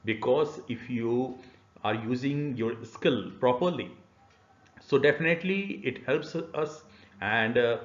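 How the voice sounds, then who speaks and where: A middle-aged man with an Indian accent giving an explanatory online lecture, phrasing haltingly with many filled pauses. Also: medium pitch. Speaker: university lecturer. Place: small indoor room. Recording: dull, boxy, roomy webcam audio.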